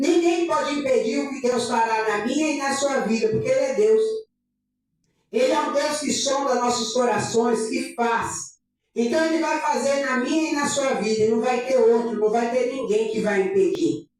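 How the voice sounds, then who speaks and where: This woman speaks at a high pitch. Her intonation is lively. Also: moderate pace. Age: 60s. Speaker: pastor. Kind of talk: sermon.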